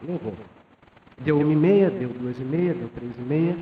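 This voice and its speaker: A man's voice: fairly high pitch, moderate pace, narrow, tinny audio. A man in his fifties from Brazil giving a lecture and telling a personal story in a conversational way, often tagging his sentences with a questioning "né?". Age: 50s. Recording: echoey hall from far off with faint noise.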